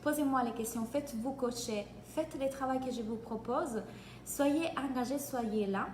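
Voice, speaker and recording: A woman from Italy with an Italian accent, giving an energetic live-streamed coaching session in French and greeting viewers by name. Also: high voice, moderate pace, a little hiss or hum. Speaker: business coach. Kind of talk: live-streamed free training. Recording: echoey room, faint ambience.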